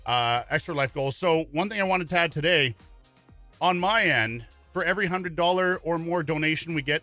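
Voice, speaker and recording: A man co-casting an esports event, halting at times, then upbeat. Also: on the high side, bright, forceful tone. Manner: hesitant starts, then upbeat promo delivery. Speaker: esports co-caster.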